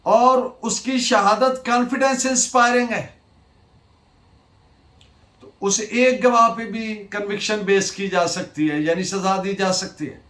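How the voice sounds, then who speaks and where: A man with a Pakistani accent giving a lecture in a deliberate, didactic way, repeating his key phrases. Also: sits high, sharp tone. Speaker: law lecturer. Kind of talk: lecture on legal principles, mixing Urdu and English. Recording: echoey, roomy sound.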